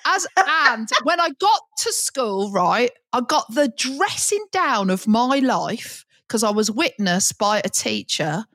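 A middle-aged woman co-hosts a casual chat, spinning an animated, laugh-filled story. Her voice sits fairly high and is recorded dry and close. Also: takes it slowly, hardly any pauses, no room sound. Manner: lively storyteller, chatty, laughs often. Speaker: podcast co-host, teacher trainer.

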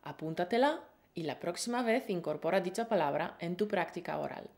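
Lady teaching spanish, low-ish voice, playful and cheering you on. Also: expressive, fairly quick, a little mellow. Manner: playful, encouraging, with pet names. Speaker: Spanish teacher, podcast co-host. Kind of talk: lively scripted lesson.

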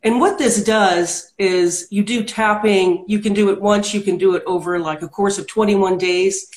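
A woman's voice: mid-range voice, fairly even intonation, normal speed. Earnest woman explaining, roomy echo. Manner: earnest, walks through steps methodically. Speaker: podcast guest, hypnotist. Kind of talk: explanatory interview talk.

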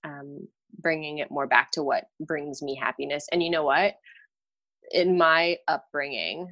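A Romanian woman, a dental hygienist appearing as a guest on a podcast, talks candidly and with animation about her work and life, laughing at herself along the way. Her voice is low, a little slow and gravelly, and the recording sounds muffled. It's a casual interview chat.

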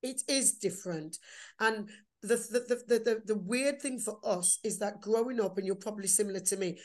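A woman's voice: medium pitch, normal speed. A woman with a Black Country accent talks casually as an interview guest, emphatically repeating words for stress. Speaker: podcast guest, performer and writer.

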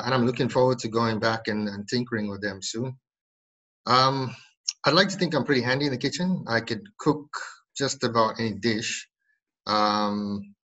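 A man's voice: medium pitch, fairly bright tone, low-quality recording. A man in his forties from South Africa, a podcast guest chatting casually, jokey and often laughing, with plenty of ums. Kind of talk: casual interview chat.

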